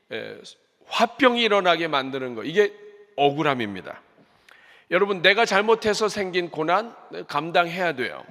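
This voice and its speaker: High bright-voiced pastor preaching. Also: male voice. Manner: earnest, rhetorical questions to the congregation. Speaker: senior pastor. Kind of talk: sermon. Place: church sanctuary. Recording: reverberant church hall.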